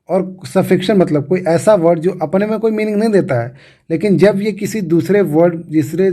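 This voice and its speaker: Male teacher, slightly high, mellow tone, patient, repeats points for students. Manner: repeats and restarts words, asks the class questions. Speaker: English teacher. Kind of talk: explaining grammar to students.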